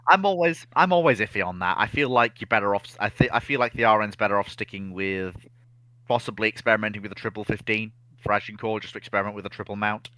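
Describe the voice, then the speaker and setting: A man in a casual history chat, explaining things in an animated, opinionated way. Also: on the low side, fast talker, no room sound, rough recording. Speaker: naval history discussion panelist.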